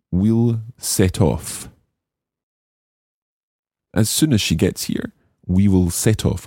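A man's voice: on the low side, a little mellow, slightly rough, dry recording, clean studio sound. A man teaching a language lesson as host, explaining translations step by step and carefully sounding out example phrases. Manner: didactic, enunciates example phrases slowly and spells words out.

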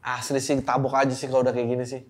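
A man's voice: medium pitch, monotone, racing. A young man with hosting a podcast, reading listener letters aloud and reacting bluntly with swearing. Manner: blunt and profane, reads letters aloud then reacts with laughter. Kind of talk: casual podcast chat.

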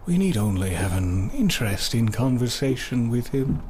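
A man's voice: mid-range voice, big pitch swings, normal speed, dark tone, slight background noise, lightly acted. A man playing a courtly, cryptic mystic prisoner in an improvised horror fantasy podcast, speaking in formal, ornate phrases with whispery moments. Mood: cryptic, persuasive. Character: caged male mystic prisoner, cryptic, courtly, quietly persuasive.

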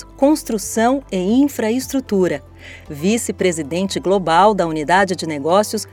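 A woman's voice: medium pitch, a little mellow. A woman with a Brazilian accent presenting a podcast from a script as its host, in a formal, articulate manner.

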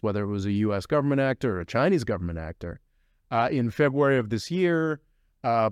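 A man talks through his views on a podcast in a loose, rambling way, firmly opinionated. His voice sits at an ordinary middle pitch. The sound is dry and close. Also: a little mellow, dry recording. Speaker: podcast host. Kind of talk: casual podcast discussion.

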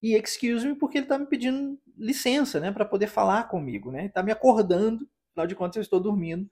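A Brazilian English teacher hosts a podcast lesson in a high, darkish voice with a Brazilian Portuguese accent. He explains slowly and patiently, repeating phrases for the listener.

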